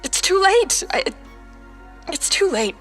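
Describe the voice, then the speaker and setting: A woman's voice: very high-pitched, very animated, slow, fairly bright tone, exaggerated voice. A woman playing a weary, defeated single mother in her thirties in an audio drama, resigned, hesitant and defensive. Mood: defensive, bitter. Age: 30s. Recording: music under the voice.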